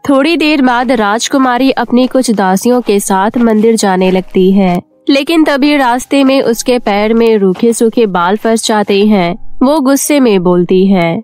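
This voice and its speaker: A woman's voice: fairly high pitch, unhurried, hardly any pauses, a little mellow, dry recording. A woman storyteller reading a scripted children's fairy tale narration. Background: faint music.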